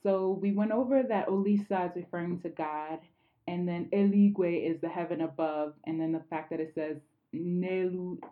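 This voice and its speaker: Female student, lower pitch, careful repeater of phrases; tinny call audio. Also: fairly even intonation, moderate pace. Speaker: language learner. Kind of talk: casual language lesson.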